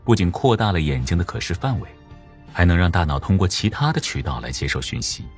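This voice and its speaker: Audiobook drama role: cunning older male mastermind, low-pitched, lively swooping delivery, unhurried and teasing. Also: faint music behind. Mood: musing.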